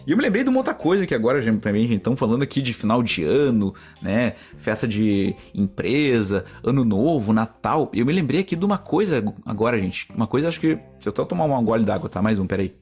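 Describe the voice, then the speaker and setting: Fast, husky podcaster. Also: male voice, mid-range voice, big pitch swings, darkish tone, faint music behind. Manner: rambling, chatty, often addresses listeners as "gente". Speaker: podcast host. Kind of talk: casual solo podcast storytelling.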